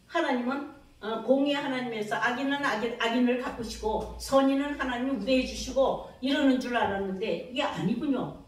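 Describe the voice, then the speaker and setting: High-voiced woman pastor in an echoey hall. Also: brisk. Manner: dramatic, acts out her own prayers and God's replies; calls for amens from the congregation. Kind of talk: revival sermon. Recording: very echoey hall, mic from a distance.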